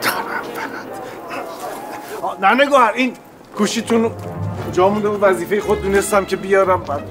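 An actor plays a clumsy young man in a TV comedy who stumbles over his words while trying to please. His voice is high for a man. Music plays clearly behind him. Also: lightly acted. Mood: awkward. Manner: fumbling, stammering, eager to please.

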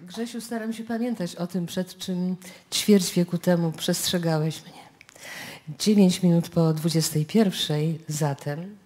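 A woman with a fairly low voice speaks as a radio host, presenting a live show to an audience in a studio. There is clear noise in the recording. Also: a little slow. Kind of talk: live stage introduction of a radio play to an audience.

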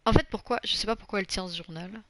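A woman talks through a narrative game as she streams it. She is relaxed and chatty, but pauses often to search for words and then corrects herself mid-sentence. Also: mid-range voice, no echo. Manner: hesitant, many fillers and self-corrections. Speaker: gameplay streamer. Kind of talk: casual gameplay commentary.

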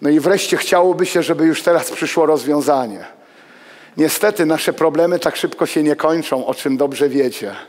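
A man in his sixties preaching a sermon to his congregation, walking among the pews and swinging between loud exclamations and hushed asides. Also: a little high. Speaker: pastor. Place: church hall with pews and congregation. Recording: long reverb of a church hall.

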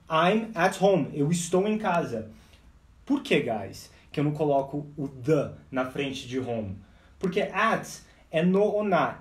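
An energetic man with a slightly high voice teaches a live English lesson, talking to his viewers as "guys". He sounds set back from the microphone, and the sound echoes in a big indoor space. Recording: echoey, speaker far from the mic.

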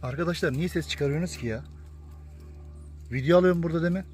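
A man vlogging outdoors in the countryside, filming on a handheld camera and talking in a soothing, hushing, coaxing way. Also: on the high side, fast, slight background noise. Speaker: wildlife vlogger. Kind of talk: casual outdoor filming commentary.

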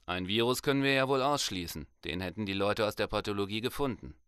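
Actor as a low-voiced weary male detective. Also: fast talker, fairly bright tone, smooth, dry recording, clean studio sound, natural voice. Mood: wry, focused. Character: weary male police detective, methodical and dryly wry. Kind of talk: German audio drama acting, conversational.

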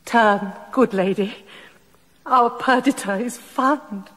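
A woman's voice: a little high, slow. An actress playing a loyal, commanding older noblewoman, speaking verse in a solemn, incantatory way. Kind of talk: classical stage acting, audio drama. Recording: long reverb with soft music behind.

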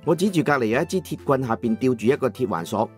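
A man with a Cantonese accent narrating a novel in the first person, in an expressive, dramatized storytelling manner. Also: mid-range voice, fast, faint music behind. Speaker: audiobook narrator.

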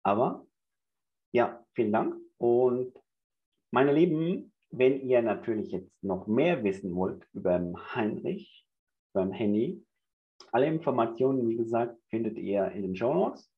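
A man in his thirties hosting a podcast over a video call on a headset, halting and hesitant with lots of fillers. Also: medium pitch, animated, dull audio. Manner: halting, many fillers and restarts. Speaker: podcast host. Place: indoors, in front of a banner backdrop.

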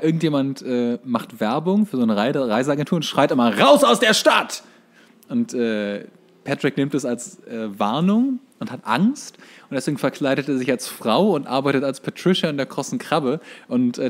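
A man co-hosting a podcast, explaining and recounting in a casual conversational style. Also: mid-range voice. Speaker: podcast co-host. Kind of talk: casual chat, explaining cartoon episodes.

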